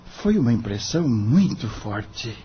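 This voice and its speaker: An actor playing an earnest, polite young lawyer of humble manner in an audio drama. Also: male voice, medium pitch, sing-song, measured pace, muffled recording, a little hiss or hum. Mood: thoughtful. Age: young adult.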